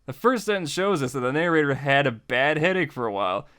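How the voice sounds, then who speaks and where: A man's voice: a little high, animated, a little fast, a bit bright, smooth. Casual, jokey American man teaching. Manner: jokey, conversational, addresses listener directly. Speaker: host of a writing tutorial series. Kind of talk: casual tutorial talk to the listener.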